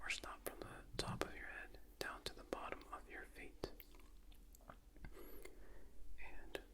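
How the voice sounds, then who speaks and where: Whispering at a very slow pace with long, frequent pauses, the voice sits against noticeable background noise. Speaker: meditation guide. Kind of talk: ASMR meditation guide. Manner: whispered, soft.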